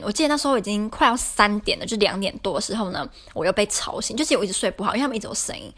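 A woman's voice: mid-range voice, a bit bright. A young woman, telling a story casually in an exasperated, rambling way. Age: young adult. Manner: exasperated, rambling retelling with many fillers. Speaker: podcaster.

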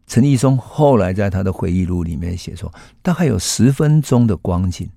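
A man, hosting a historical storytelling podcast in an unhurried, reflective way. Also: low voice, animated, gravelly, dark tone, dry recording, clean studio sound. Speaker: host and storyteller.

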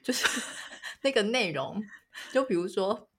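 In a casual podcast chat, a Taiwanese Mandarin-accented woman in her thirties co-hosts, telling stories with animation, acting out quotes and laughing often. Her mid-range voice moves at an unhurried pace.

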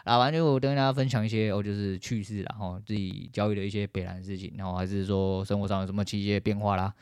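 A man's voice: lowish voice, level tone, fast, a little mellow, smooth, no room sound, clean studio sound. A man with a Taiwanese Mandarin accent hosting a solo podcast, ranting angrily and swearing constantly. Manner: angry, profane ranting. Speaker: podcast host.

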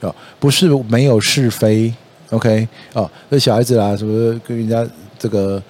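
A man with a Taiwanese Mandarin accent hosting a podcast, talking things through in a casual, lively way, filling his sentences with little fillers. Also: fairly low pitch, normal speed. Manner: lively storytelling, acts out quoted voices, many "哦" and "然后呢" fillers. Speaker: podcast host. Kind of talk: casual explanatory podcast talk.

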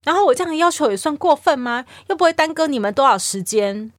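A woman's voice: a little high, expressive, normal speed, fairly bright tone, dry recording, clean studio sound. A woman voicing an indignant middle-aged mother who complains about her daughter in a raised voice. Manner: aggrieved, raised voice.

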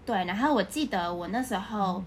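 A woman's voice: medium pitch, lively intonation, brisk, slight background noise. A young woman with a Taiwanese Mandarin accent, an interview guest explaining things in an agreeable, casual way. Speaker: interview guest, English teacher.

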